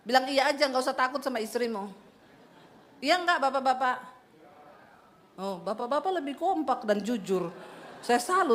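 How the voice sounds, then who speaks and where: Woman pastor, middle-aged, high bright voice, lively teasing sermon to a church congregation.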